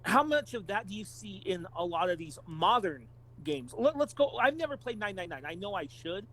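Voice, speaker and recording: A man's voice: high voice, big pitch swings, normal speed, fairly bright tone, poor audio. A man from the United States co-hosting a podcast, talking casually about video games and putting questions to his partner. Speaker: podcast co-host.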